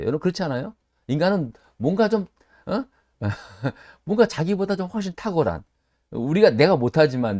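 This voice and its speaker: A middle-aged man pastor leading a Bible study sermon, speaking in an animated way, asking his listeners rhetorical questions and acting out quoted voices. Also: no echo, clean studio sound. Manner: acts out quoted voices with sudden jumps in pitch.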